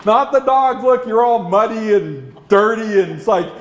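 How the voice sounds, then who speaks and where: A man voicing a proud male tribal leader who calls out and proclaims loudly. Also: high voice, measured pace, reverberant, voice pushed up. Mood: firm.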